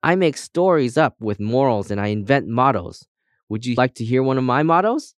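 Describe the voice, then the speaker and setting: A man's voice: medium pitch, sing-song, normal speed, no room sound, clean studio sound, pitched above the performer's own voice, natural voice. Man voicing a breezy, cocky female brass compass. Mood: proud. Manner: breezy, boastful, colloquial. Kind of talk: children's audiobook character voice.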